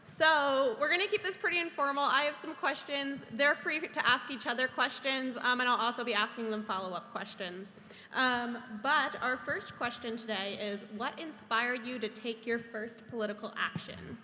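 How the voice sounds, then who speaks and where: A woman's voice: on the high side, moderate pace, sharp tone. A young woman from Maine, a college senior, moderating a youth panel in a friendly, informal way. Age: young adult. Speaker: forum moderator. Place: convention hall. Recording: hall reverb, faint noise.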